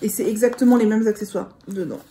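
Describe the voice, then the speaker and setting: A woman's voice: medium pitch, fast, mellow, a little hiss or hum. A woman vlogger chatting casually about products, rambling with many hesitations.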